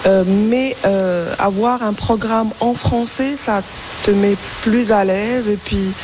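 A woman's voice: medium pitch, fairly even intonation, slow, a little mellow, a little hiss or hum. A young woman whose first language is Arabic, answering radio interview questions hesitantly with many fillers and restarts. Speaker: interview guest, school support worker.

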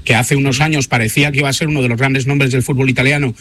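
Un hombre que comenta fútbol en la radio, con ganas de intervenir. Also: male voice, mid-range voice, steady tone, racing, fairly bright tone, no echo. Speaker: football pundit. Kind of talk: radio panel discussion.

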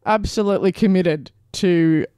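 A woman's voice: on the low side, moderate pace, warm tone, clean tone, dry recording, studio quality. A woman in her thirties with an Australian accent, hosting community radio in a playful, self-mocking way. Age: 30s. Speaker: radio host. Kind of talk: community radio chat and weather read. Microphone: studio microphone.

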